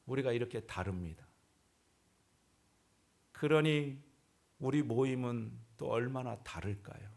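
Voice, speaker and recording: A man's voice: mid-range voice, a little slow, gravelly, pauses often, darkish tone. A male pastor preaching a sermon in a church, posing rhetorical questions to the congregation.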